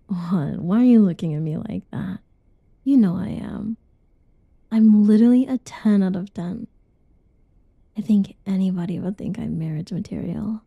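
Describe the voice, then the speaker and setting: A young woman doing a whispered ASMR roleplay in a soft, teasing whisper, recorded close and dull. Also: mid-range voice, moderate pace, vocal fry, slightly rough, no echo.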